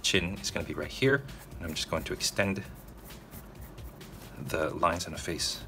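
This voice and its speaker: A man with a low yet bright, forceful voice talks through a drawing step by step in a relaxed way. He speaks straight to his viewers and often pauses to ask "okay?". Faint music plays behind him. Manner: casual, addresses viewers directly, frequent "okay?" check-ins. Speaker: drawing tutorial host. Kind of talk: narrated step-by-step drawing tutorial.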